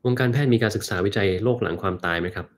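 A man casually answering viewer questions on a live stream, relaxed and joking. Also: lowish voice, very fast. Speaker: host answering live chat.

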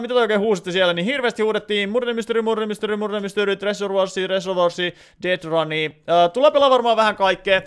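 Smooth-voiced man streaming a game. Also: high-pitched, a bit bright. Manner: rambling, many filler words. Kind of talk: live gameplay stream, chatting with viewers.

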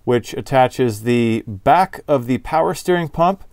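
A man's voice: medium pitch, expressive, unhurried, a little mellow, no echo, clean studio sound. A man hosting a DIY car repair video, explaining each step in plain words as he works with his hands. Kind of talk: hands-on tutorial narration, talking while working.

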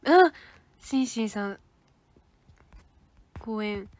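A woman's voice: a little high, expressive, drawn-out words, no room sound. A young woman with a Kansai accent, chatting casually and giggling as she reads fan comments on a livestream. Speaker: idol livestreaming to fans.

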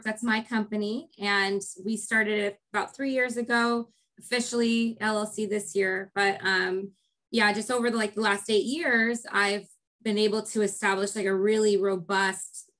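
Guest presenter, American woman, thirties, voice hoarse and giving out, casual conversational delivery over a video call. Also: medium pitch, level tone, normal speed, fairly bright tone. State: hoarse, losing her voice. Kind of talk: casual interview talk. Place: indoor room, video call. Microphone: computer video-call microphone.

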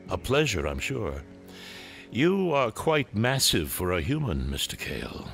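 Man acting a slow, haughty imperial lord. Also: lowish voice, huge pitch swings, creaky, a bit bright, soft background music, heavily acted. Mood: condescending. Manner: formal, measured, condescending. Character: haughty imperial military superior, male, dryly amused. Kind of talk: audio drama acting.

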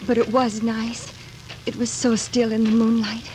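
A woman's voice: a little high, level tone, a little slow, noisy background, lightly acted. An actress playing a frightened young woman who talks anxiously and pleadingly, in 1940s radio acting.

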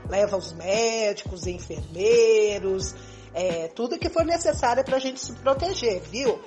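A woman playing an anxious, possessive, quick-tempered lover in an amateur radio soap, dramatic and insistent. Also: mid-range voice, animated, a little mellow, soft background music, lightly acted. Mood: excited, anxious.

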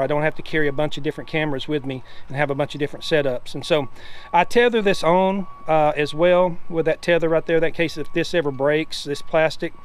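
Folksy high-voiced man in a driveway. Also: smooth. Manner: folksy, rambling, with frequent "uh" and restarts. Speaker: treasure hunting video host. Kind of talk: casual show-and-tell demonstration. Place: outdoors in a driveway by a pickup truck.

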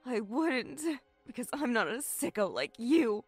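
A woman playing a frightened yet defiant captive in an audio drama, her voice husky and breathy. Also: a little high, very animated, a little slow, no echo, soft background music, full character voice.

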